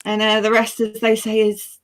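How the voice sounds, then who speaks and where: A woman's voice: fairly high pitch, moderate pace, rough recording. A woman from England in her thirties, a guest telling her story with frequent laughter over a video call. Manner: laughs often, lively storytelling. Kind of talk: casual chat.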